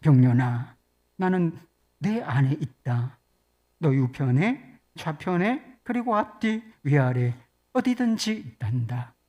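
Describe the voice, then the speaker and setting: A woman preacher voicing God as a gentle, steady, fatherly presence, speaking low and slowly. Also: heavily acted. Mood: tender.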